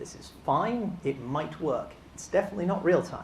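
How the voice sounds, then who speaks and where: This voice moves at a moderate pace. It comes with a British accent. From UK. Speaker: software engineer and conference speaker. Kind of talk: technical conference talk. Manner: casual, conversational with filler words.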